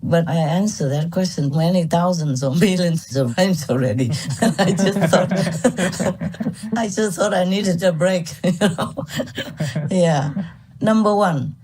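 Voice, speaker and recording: Woman from Vietnam, spiritual teacher; candid, animated storyteller; mellow, husky tone. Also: lowish voice, slow. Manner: candid, laughs often, animated. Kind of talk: storytelling talk to disciples.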